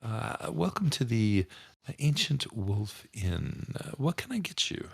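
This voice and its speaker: A man's voice: medium pitch, big pitch swings, slow pace, creaky, husky, no room sound, studio quality, voice pushed up, heavily acted. A man voicing a polite, hesitant human barmaid in a tabletop fantasy game. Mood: polite welcome.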